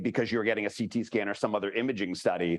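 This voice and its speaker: Against a quiet background, a man speaks with ordinary pitch variation in a dry, close sound with no echo. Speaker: physician. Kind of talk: lecture. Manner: fast; halting.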